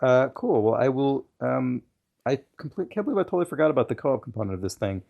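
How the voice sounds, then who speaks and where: A man hosting a casual podcast chat, relaxed, explaining things and making announcements to listeners. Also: mid-range voice, quick pace, creaky, highs cut off. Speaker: podcast host.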